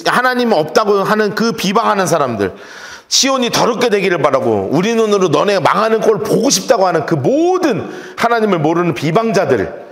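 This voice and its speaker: A male pastor giving an emphatic Bible study sermon in a church, repeating phrases for effect. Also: a little high. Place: church sanctuary. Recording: echoey hall reverb.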